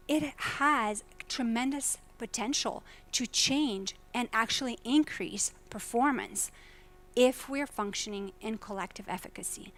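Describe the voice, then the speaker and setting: A woman's voice: on the high side, a bit bright. Earnest woman from Croatia presenting. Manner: earnest, asks the audience questions. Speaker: faculty presenter. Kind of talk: conference keynote talk. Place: lecture hall at a business summit.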